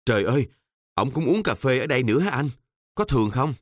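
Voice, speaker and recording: A man's voice: mid-range voice, big pitch swings, fast talker, dry recording, clean studio sound, pitched above the performer's own voice. A man voicing a naive, eager teenage schoolboy who asks a lot of questions, in a storybook reading. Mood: curious.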